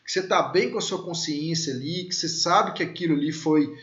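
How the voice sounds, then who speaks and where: A man's voice: on the high side, brisk, a bit bright. A man in his thirties, a law lecturer, teaching through chatty personal stories with many fillers and questions to his listeners. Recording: echoey, dull lo-fi room sound.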